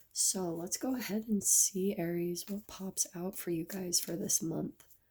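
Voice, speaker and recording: A woman's medium-pitched, dark and mellow voice, somewhat breathy, at a fairly slow pace. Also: ordinary pitch variation. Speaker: tarot reader. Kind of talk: tarot reading. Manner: speaking carefully and clearly.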